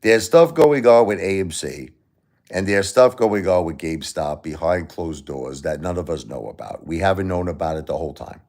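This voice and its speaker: A deep-voiced man from the United States chatting loosely on a livestream. He rambles, repeats himself and often restarts his sentences, and he speaks directly to the people watching. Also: animated, moderate pace, darkish tone. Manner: rambling, repeats and restarts, talks straight to viewers. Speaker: livestream host. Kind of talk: casual livestream chat.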